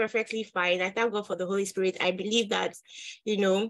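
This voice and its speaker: Against a quiet background, a woman talks at a fairly quick pace in a monotone, flat intonation. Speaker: Sunday school teacher. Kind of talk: lecture. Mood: warm, lightly laughing. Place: home room. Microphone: webcam.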